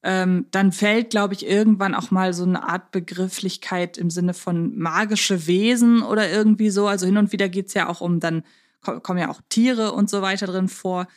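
A woman's voice: mid-range voice, fairly even intonation, moderate pace. A woman co-hosting a podcast, talking casually and conversationally, thinking aloud as she discusses a series. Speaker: podcast co-host.

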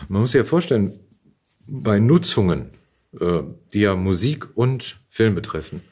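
A middle-aged man speaking as an interview guest in casual conversation, reflective and halting as he searches for words. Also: on the low side, very animated, darkish tone, breathy edge.

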